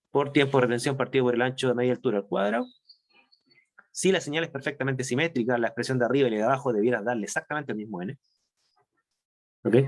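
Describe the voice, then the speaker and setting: A man teaching a university chemistry class. He speaks at an ordinary pitch, explaining each point patiently, slowing down to stress what matters and tagging his sentences with quick checks that his students are following. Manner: explanatory, checks understanding with frequent tag questions. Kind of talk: online class lecture.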